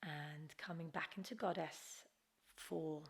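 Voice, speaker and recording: Slow, creaky-voiced woman teaching yoga. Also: low-pitched, fairly even intonation. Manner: gentle, encouraging, unforced guidance. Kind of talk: guided Kundalini yoga class instruction.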